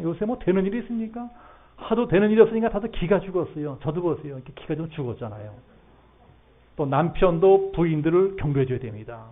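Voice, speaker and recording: A middle-aged man preaching a sermon as a pastor in a church, talking in a conversational way and putting questions to the congregation. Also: sits high. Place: church sanctuary. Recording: phone-like narrow band.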